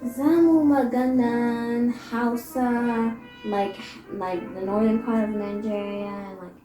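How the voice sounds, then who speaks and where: A woman's voice: a little high, steady tone, slow, warm tone, reverberant, soft background music, poor audio. A young woman with a Canadian accent, chatting casually in a vlog, with lots of "like" and "you know.". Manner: casual, filler-heavy with lots of "like". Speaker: vlogger. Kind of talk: casual chat.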